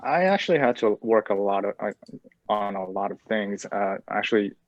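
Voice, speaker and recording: Low-voiced man, native Korean speaker, lo-fi. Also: expressive, fairly quick, no room sound. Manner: hesitant, searching for words. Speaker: actor. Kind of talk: casual interview chat. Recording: dull lo-fi dry audio.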